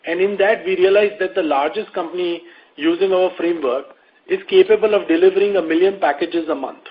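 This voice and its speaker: Guy exec answering investors on a conference call, kinda high voice, methodical explaining, dull lo-fi line. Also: fairly quick. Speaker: company executive answering investor questions. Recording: muffled lo-fi conference call audio.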